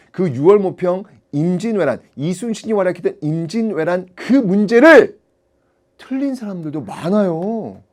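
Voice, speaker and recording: A man's voice: sits high, a little mellow. A man teaching history in an audio-only exam prep lecture, talking to students with rhetorical questions and frequent laughs.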